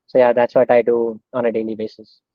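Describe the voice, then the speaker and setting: Speaking briskly at medium pitch, this young adult from India chats as a guest on an online call, full of filler sounds. His relaxed explanations lean on everyday examples and many "um"s. Dull, lo-fi video call audio with no room sound captures him.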